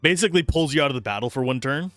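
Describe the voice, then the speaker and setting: Male game streamer, lively varied intonation, commenting and narrating on-screen text, dry close mic, faint music. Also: medium pitch, racing, dry recording. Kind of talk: live playthrough commentary, reading game text aloud.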